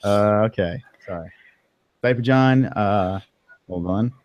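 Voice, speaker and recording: A man's voice: fairly low pitch, slow, darkish tone, no echo. A man with a New York accent hosting a casual livestream interview, joking and laughing often. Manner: joking, laughs often, stumbles over words. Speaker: host.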